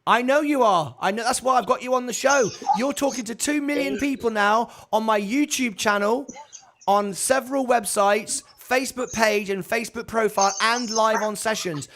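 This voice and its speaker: High-voiced chatty male call-in host. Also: moderate pace, fairly bright tone. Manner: chatty, repeats himself, stumbles over words. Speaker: show host. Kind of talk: live call-in chat show. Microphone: video call.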